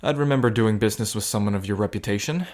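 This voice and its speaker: A man's voice: on the low side, very fast, a little mellow, lightly acted. A man playing an earnest, desperate bartender bluffing as a gambler, in naturalistic audio drama style. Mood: guarded, bluffing.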